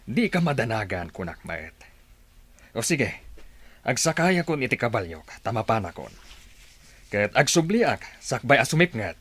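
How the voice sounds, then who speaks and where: A man's voice: mid-range voice, sing-song, measured pace, long pauses, fairly bright tone, husky, exaggerated voice. A man playing a stubborn but reassuring tribal chief talking to his wife in an Ilocano radio drama.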